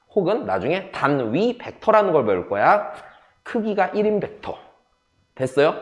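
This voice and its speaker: This man's pitch swings very widely, with vocal fry in his voice. His tone is animated. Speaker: math teacher. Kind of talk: lecture. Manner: casual, animated.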